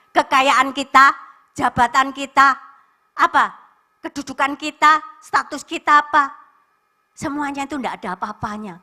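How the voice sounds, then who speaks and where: A woman pastor delivers a sermon at a church service. Her voice is bright and ringing and sits fairly high. She swings from storytelling with quoted dialogue to fervent exhortation. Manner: earnest, rising to fervent exhortation, tells stories with quoted dialogue.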